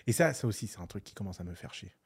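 A man's voice: on the low side, expressive, rapid-fire, vocal fry, a little mellow, husky. A man co-hosting a casual podcast, telling stories with animation and swearing freely. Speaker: podcast co-host.

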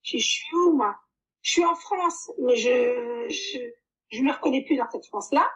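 A woman's voice: sits high, animated, normal speed, low-quality recording. A woman in her fifties, of Portuguese origin, giving a heartfelt testimonial about her coaching with frequent hesitant fillers. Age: 50s. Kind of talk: emotional personal testimony.

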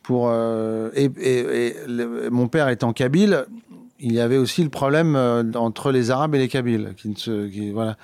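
A man's voice: mid-range voice, moderate pace, darkish tone, no echo. French guy in an interview, lots of ums and restarts, pretty dry sound. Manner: hesitant, many fillers and restarts. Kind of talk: personal storytelling in conversation.

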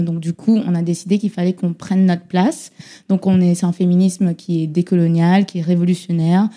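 Female podcast guest, low dark voice, earnest, explanatory, hesitant fillers. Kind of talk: casual discussion.

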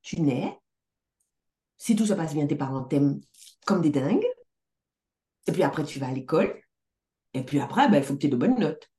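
A middle-aged woman success coach talking in a casual interview, emphatic and animated, swearing now and then. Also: sits low, normal speed, pauses often. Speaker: success coach, podcast guest.

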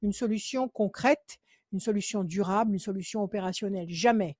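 A woman's voice: medium pitch, brisk, a little mellow, no room sound, clean studio sound. A woman working as a psychic on a call-in show. She gives firm advice again and again and counts cards under her breath. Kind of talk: phone consultation with card reading.

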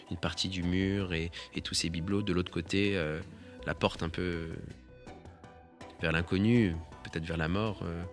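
Deep gravelly-voiced man, halting. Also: fairly bright tone. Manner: halting, with many restarts and pauses. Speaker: photographer. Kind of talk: reflective spoken account.

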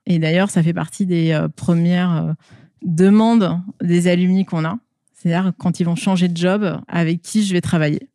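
A woman answers interview questions conversationally through a face mask, halting often with filled pauses. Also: on the low side, steady tone, mellow, no echo, studio quality. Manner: hesitant, halting delivery with frequent filled pauses. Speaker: interview guest, school staff working with companies and alumni.

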